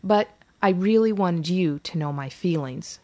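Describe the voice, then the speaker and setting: A woman's voice: on the low side, unhurried, warm tone, natural voice. A woman reading the lines of a weary, sarcastic mother who is defensive and exasperated about repeating her family history in therapy.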